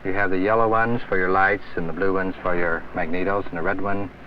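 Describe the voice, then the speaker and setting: A man's voice: deep voice, flat delivery, brisk. A man working as a flight instructor, giving hands-on instruction one step at a time. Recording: dull distant recording, loud aircraft engine noise. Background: aircraft engine noise.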